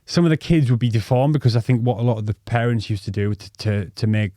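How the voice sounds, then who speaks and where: Recorded in clean studio conditions with no room sound, this North East English man in his thirties speaks fast in a mid-range, dark-toned voice. He's a podcast co-host swapping casual stories about his life, rambling and cursing, full of ums and false starts, all in his North East accent.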